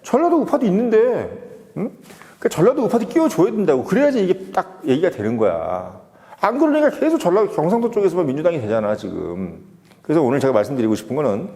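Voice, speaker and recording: A man's voice: a little high, warm tone, in a large hall. A man giving an emphatic political opinion monologue, full of rhetorical questions. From Seoul. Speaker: political commentator.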